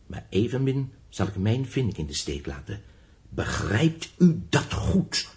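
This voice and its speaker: An actor playing an earnest, stubborn young blind teacher and inventor with a fervent, deliberate delivery in a Dutch radio play. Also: male voice, lowish voice, very animated, darkish tone. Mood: defiant, resolute.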